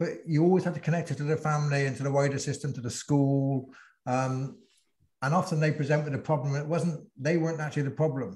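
With a Bristol accent, a somewhat breathy man speaks very fast with fairly even intonation, broken up by long, frequent pauses. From southwest England. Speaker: leadership consultant and coach. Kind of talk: casual chat. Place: home room. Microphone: video call.

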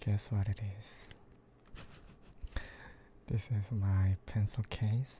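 Speaking at a very slow pace with long, frequent pauses, a man with a fairly low pitch and a dark, mellow, somewhat breathy tone keeps a monotone, flat delivery over light background noise in a dry sound with no echo. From Korea. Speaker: ASMR creator. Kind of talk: ASMR tapping video, soft talk to camera. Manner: soft, whispering, hesitant. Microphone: studio mic.

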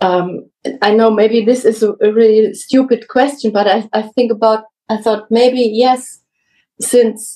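Against a quiet background, a woman talks very slowly at a fairly high pitch. Her tone is dark and mellow. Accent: German. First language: German. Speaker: devotee, study group participant. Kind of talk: personal sharing and question. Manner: hesitant with fillers. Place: home room. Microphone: video call.

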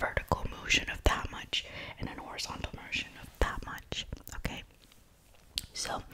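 A woman whispers at a moderate pace. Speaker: math tutor. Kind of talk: tutorial. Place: home room. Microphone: studio mic.

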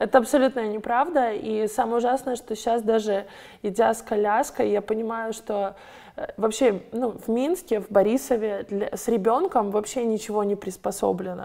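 A woman with a fairly high, dark and mellow voice talks at a moderate pace with ordinary pitch variation. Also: quiet background. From Belarus. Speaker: Belarusian emigrant, former basketball player, manager; interview guest. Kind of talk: interview. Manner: hesitant, many fillers. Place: studio. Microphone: lapel.

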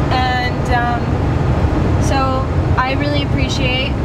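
Loud background noise runs behind a woman's voice, which has a dry sound with no echo. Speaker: truck driver vlogger. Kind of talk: casual vlog chat. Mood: warm, amused storytelling. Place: car. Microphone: camera far.

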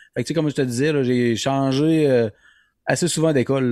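A man speaks in an ordinary speaking voice. His pitch is medium, with ordinary pitch variation. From Quebec, outside Montreal. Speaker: podcast guest, business owner. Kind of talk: casual interview chat.

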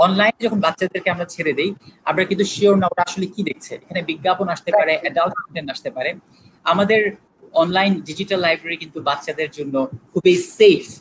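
A man talks at a high pitch with fairly even intonation. Light background noise is present. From Bangladesh. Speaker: athlete and library colleague; presenter. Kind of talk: live promotional chat. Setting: live social media stream. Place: home room. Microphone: video call.

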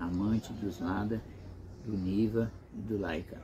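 A man's fairly low, dark, mellow voice with vocal fry, at a very slow pace with ordinary pitch variation, over noticeable background noise. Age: 60s. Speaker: car mechanic. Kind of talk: personal testimony. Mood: earnest, somber about hardships. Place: workshop. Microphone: phone near.

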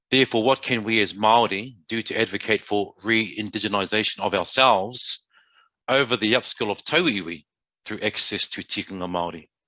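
In a New Zealand accent, a man speaks at a moderate pace with a bright, sharp tone and a fairly low pitch that varies in an ordinary way. The sound is dry with no echo, and the background is quiet. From northern New Zealand, Māori (Ngāpuhi); northern New Zealand. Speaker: webinar chair; webinar moderator. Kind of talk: moderated webinar. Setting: video call. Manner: halting. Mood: warm, respectful, many hesitations. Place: home room. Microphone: headset.

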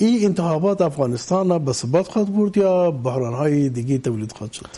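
A man's voice sounds dark, mellow and somewhat breathy. His intonation is lively against a quiet background. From Afghanistan. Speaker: guest. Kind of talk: political interview. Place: studio. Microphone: lapel.

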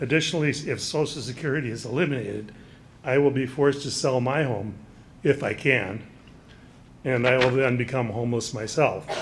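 A man speaks at a fairly quick pace and medium pitch with ordinary pitch variation, leaving long, frequent pauses. Audible room echo fills the recording. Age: 70s. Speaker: caregiver testifying at public hearing. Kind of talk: public testimony. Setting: public hearing room. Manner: halting, with restarts.

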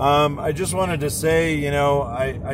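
Loud background noise surrounds a dry sound with no echo as the speech moves at a fairly slow pace. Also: man. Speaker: driver vlogger. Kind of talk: casual vlog chat. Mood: optimistic, upbeat. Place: car. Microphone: phone near.

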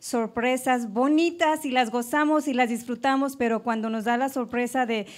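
A woman's high-pitched voice at a moderate pace, against a quiet background. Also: fairly even intonation. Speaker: TV show co-host. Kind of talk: TV host banter and sign-off. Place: shop. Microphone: handheld.

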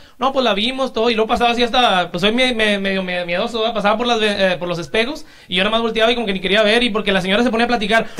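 Using a raised, projected voice, a man speaks at a high pitch and a very fast pace, with fairly even intonation and hardly any pauses. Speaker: singer and real estate agent. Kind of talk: casual chat. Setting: studio, live Facebook stream. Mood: relaxed, anecdotal. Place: studio. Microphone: handheld.

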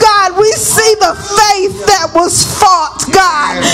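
The pace of speech is very slow. Noticeable background noise can be heard. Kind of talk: public prayer. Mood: fervent, devotional. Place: church.

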